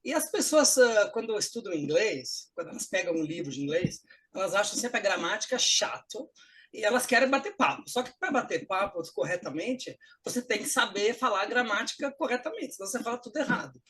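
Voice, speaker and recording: A man with a Brazilian Portuguese accent, a guest on a talk show, explaining things in an animated way. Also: high-pitched, brisk, slightly rough. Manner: animated explaining, with lively acted-out quotes. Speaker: guest, English teacher and actor. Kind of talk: casual interview talk.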